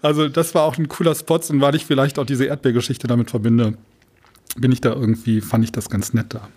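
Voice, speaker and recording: A man's voice: medium pitch, flat delivery, fairly quick, a little mellow, slightly rough. A man from the Ruhr area of Germany chatting casually as a podcast co-host, telling jokey anecdotes.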